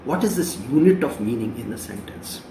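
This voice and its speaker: A man's voice: medium pitch, expressive, a little fast, mellow, a little hiss or hum. A man in his fifties with an Indian English accent, giving a classroom lecture on journalism, explaining patiently and repeating key phrases. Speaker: journalism professor. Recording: roomy echo, voice from a distance.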